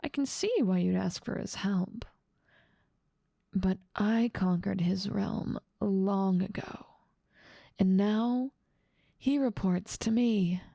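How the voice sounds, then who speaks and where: A woman's voice: mid-range voice, takes it slowly, gravelly, long pauses, mellow, no echo, studio quality. A woman playing a haughty, dominant demon lord who mocks and teases the listener in a scripted ASMR roleplay. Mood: amused, curious. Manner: dominant, amused, mocking, theatrical. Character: haughty, teasing female demon lord ruling part of hell.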